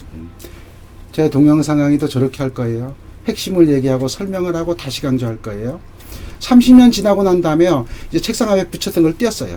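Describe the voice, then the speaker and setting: A man speaks at a fairly high pitch, his voice swinging very widely in pitch and loudness. Noticeable background noise runs behind him. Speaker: professor. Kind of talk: lecture. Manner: somewhat halting.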